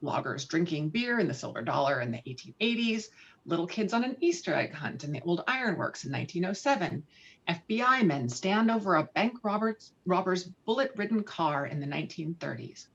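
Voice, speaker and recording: A woman's voice: fairly low pitch, big pitch swings, brisk, vocal fry. A woman reading screenplay stage directions as narrator at an online table read. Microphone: video call. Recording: dull lo-fi online call audio.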